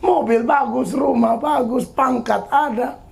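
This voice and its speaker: A woman pastor, preaching an animated, emphatic sermon, often raising her voice. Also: sits high, measured pace, vocal fry.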